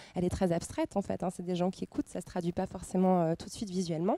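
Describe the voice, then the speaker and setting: With a Parisian accent, a woman talks at medium pitch in a dark, mellow tone, the sound dry and close with no echo. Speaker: journalist and podcast host. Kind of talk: masterclass talk. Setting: stage with audience. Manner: many hesitations (euh).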